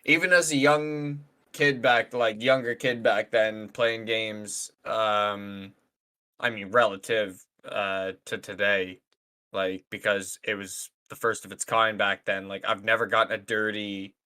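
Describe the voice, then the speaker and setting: Young male co-host, blunt and profane, bright edge to the voice. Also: lowish voice, flat delivery, unhurried, clear, resonant tone. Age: 20s. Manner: swears freely, blunt. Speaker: podcast co-host. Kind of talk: casual chat.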